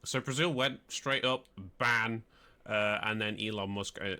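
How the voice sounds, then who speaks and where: A man's voice: fairly low pitch, unhurried, clear, resonant tone. A man co-hosting a podcast, reading news headlines and chatting about them loosely. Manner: relaxed, reads headlines then chats loosely. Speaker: podcast co-host. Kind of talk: casual chat, reading news items.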